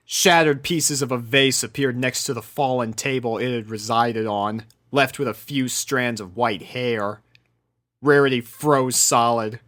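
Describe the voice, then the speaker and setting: Expressive storybook narrator with a mid-pitched voice. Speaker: fan fiction narrator.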